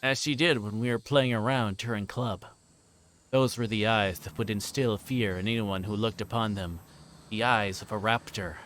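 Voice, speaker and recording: Faint music plays behind this fairly low, slightly bright male voice, which keeps a fairly even intonation at a moderate pace. He's streaming a visual novel live, mixing read-aloud game text with loose, jokey banter with viewers.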